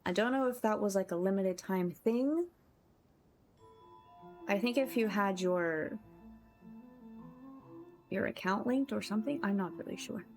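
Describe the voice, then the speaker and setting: A woman's voice: mid-range voice, a little slow, pauses often, darkish tone. A woman livestreaming a game, chatting casually and effusively with her viewers and thanking them often. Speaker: game livestreamer and content creator. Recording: music playing behind the voice. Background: music.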